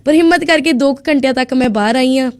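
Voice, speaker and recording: A young woman from India, a student guest on a radio show, telling her story in a lively way and acting out what people said. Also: high voice, quick pace. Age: young adult. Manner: lively storyteller who acts out quoted speech. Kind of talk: casual storytelling interview.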